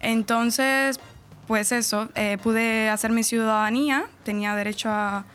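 A woman's voice: a little high, fairly even intonation, a little slow, a bit bright, clean tone, soft background music. A woman from Cuba with a central-eastern Cuban accent, a radio presenter chatting at length as a guest in a casual radio interview. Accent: Cuban, central-eastern, from Camagüey. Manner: chatty, explains at length, laughs easily.

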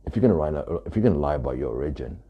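A man's voice: rumbling low, lively intonation, very fast, husky, highs cut off. A man of Arab origin, an author, speaking emphatically about his book and repeating his points to drive them home.

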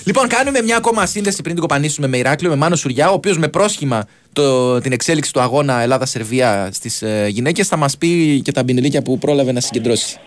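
A man's voice: medium pitch, animated, hardly any pauses. A man co-hosting a radio show in casual banter, joking and reading listener messages aloud. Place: radio studio.

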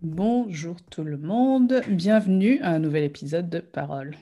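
A woman hosts a podcast in casual chat. She teases her guest playfully and laughs easily. Her questions come out relaxed and lively. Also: lowish voice, normal speed, dull audio, faint music behind. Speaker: podcast host.

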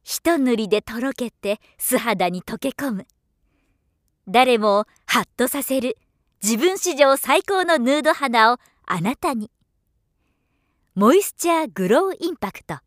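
A middle-aged woman voiceover professional reading scripted narration with polished, clearly articulated delivery. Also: a little high, animated, unhurried, dry recording. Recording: dry studio voice recording.

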